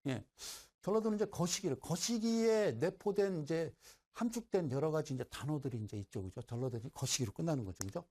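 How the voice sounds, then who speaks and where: A man's voice: a little high, animated, brisk, hardly any pauses, darkish tone, husky. A middle-aged man giving a broadcast stock-investing lecture, who keeps asking listeners "right?" and teases them.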